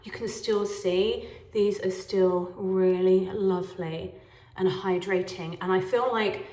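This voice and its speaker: A woman's voice: on the low side, fairly even intonation, slow pace, dark tone. A woman with a nasal, stuffy voice from a cold, chatting enthusiastically through a casual makeup review. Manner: chatty, enthusiastic, gushing about products. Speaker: beauty vlogger. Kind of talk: casual product review walkthrough.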